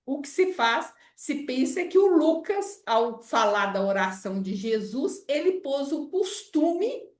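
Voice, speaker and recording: A woman's voice: sits high, sing-song, slow, distant mic. A Brazilian woman leading an informal Bible study lesson, explaining and often checking in with her listeners. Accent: Brazilian Portuguese. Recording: echoey room, voice off-mic.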